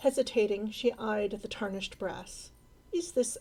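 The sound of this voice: Unforced reading with pitch that varies an ordinary amount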